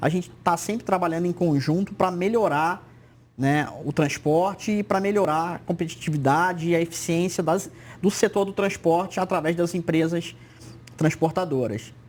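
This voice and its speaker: With a Rio de Janeiro accent, a man talks at a moderate pace in a high pitch with ordinary pitch variation. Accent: carioca (Rio de Janeiro). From Rio de Janeiro, Brazil. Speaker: regional director of a transport-sector training body. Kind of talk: TV interview.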